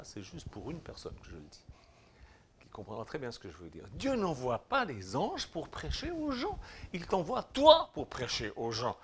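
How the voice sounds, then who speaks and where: A man with a Swiss French accent preaching a sermon, exhorting listeners directly with informal address, swinging between loud declarations and quiet asides. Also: fairly high pitch, vocal fry, a little hiss or hum. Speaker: pastor.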